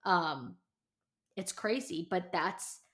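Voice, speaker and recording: A woman's voice: lowish voice, lively intonation, takes it slowly, fairly bright tone. A woman of thirty hosting a casual solo podcast, talking candidly and chattily with lots of "like" and "you know", then urging her listeners on with emphatic encouragement. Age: 30s. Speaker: podcast host.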